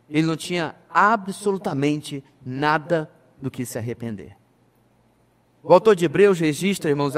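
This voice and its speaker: Emphatic pastor preaching in a reverberant church. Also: male voice, fairly high pitch. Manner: addresses the congregation as brothers, emphatic with slow pauses. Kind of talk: sermon.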